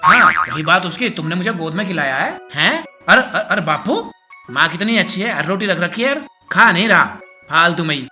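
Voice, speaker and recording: A man plays a goofy young village son who mishears whatever is said to him. His voice is loud and bright over light music. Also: high-pitched, lively intonation, brisk, full character voice. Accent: Haryanvi. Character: half-deaf, silly young village son (Sheru). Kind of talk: comedic film acting.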